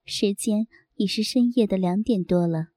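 A woman reading a first-person story aloud in a soft, intimate, unhurried way. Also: medium pitch, no room sound, clean studio sound.

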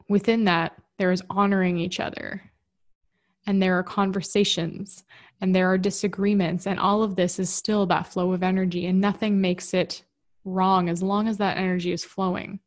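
A woman's voice: fairly low pitch, level tone, normal speed. A woman giving a candid, rambling casual monologue about relationships, often restarting her sentences. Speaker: relationship and spirituality talker.

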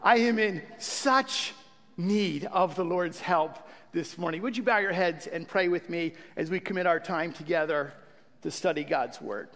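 Speaking at a measured pace with a voice that sits high, a man addresses his congregation as their pastor, welcoming them and leading a prayer as the sermon begins. Church hall reverb fills the sanctuary, and his warm delivery has fillers and restarts.

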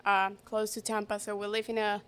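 Smooth-voiced woman. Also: mid-range voice, completely flat delivery. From Colombia. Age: 30s. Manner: soft-spoken, halting, with small English slips. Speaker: guest, real estate entrepreneur. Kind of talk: casual interview.

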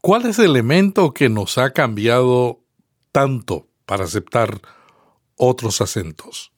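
Lively-toned man posing interview questions. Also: medium pitch, dry recording, clean studio sound. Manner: measured, formal questioning.

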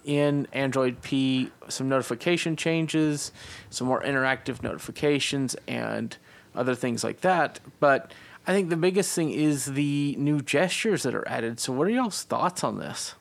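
A man co-hosting a podcast, explaining features at length in a relaxed, casual way and leading the discussion. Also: mid-range voice, unhurried, creaky. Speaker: podcast co-host. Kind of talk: casual tech chat.

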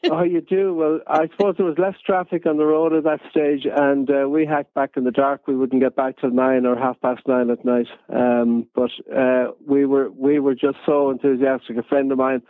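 A man with a west of Ireland accent, telling anecdotes as a radio interview guest in an unhurried storytelling way. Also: mid-range voice, level tone, dry recording, narrow, tinny audio. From County Galway, west of Ireland. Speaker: interview guest, photojournalist and fox hunter.

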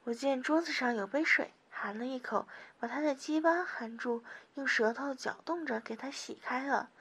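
Female narrator for an adult audio story, high, breathy voice, soft and intimate delivery. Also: normal speed. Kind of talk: first-person adult audio story reading.

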